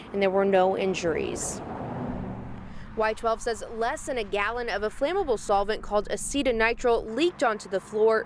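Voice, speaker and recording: A woman reporting live as a television news field reporter, in a scripted news delivery. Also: a little high. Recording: faint outdoor traffic noise.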